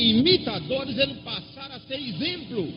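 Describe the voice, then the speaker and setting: Through noticeable background noise and audible room echo, a man with an extremely high pitch talks at a moderate pace. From Brazil. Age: 60s. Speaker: pastor. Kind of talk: sermon.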